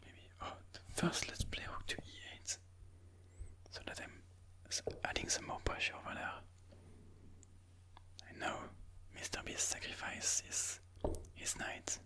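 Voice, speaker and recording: A person whispering breathily in an ASMR style, musing aloud move by move as they comment on their own chess game. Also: a little slow.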